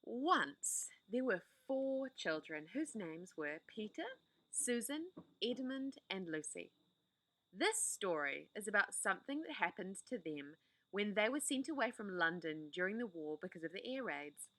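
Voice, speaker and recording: A woman reading a children's book aloud in a gentle, soothing way. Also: medium pitch, big pitch swings, unhurried, dry recording, poor audio. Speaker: storytime host.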